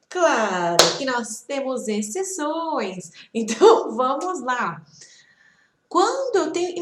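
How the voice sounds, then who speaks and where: A Portuguese-speaking woman with a Brazilian accent teaching a grammar lesson, patiently repeating words slowly for learners. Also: a little high. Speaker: English teacher. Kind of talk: online lesson, explaining grammar. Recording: echoey room.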